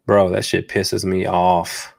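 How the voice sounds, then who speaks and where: A man's voice: deep voice, gravelly, a bit bright. Dog trainer guy doing a live q&a, blunt and slangy, stuffy nose from a cold. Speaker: dog trainer and show host. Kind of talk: live Q&A stream.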